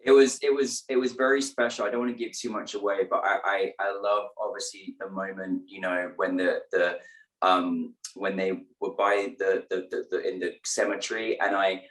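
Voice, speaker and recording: A man's voice: low voice, little pitch movement, normal speed, fairly bright tone. A man hosts the interview, effusive and gushing, his sentences tumbling through restarts and fillers. He sits back from the mic in an echoey room, and his voice carries a roomy ring. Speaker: interview host. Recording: roomy echo, distant from the mic.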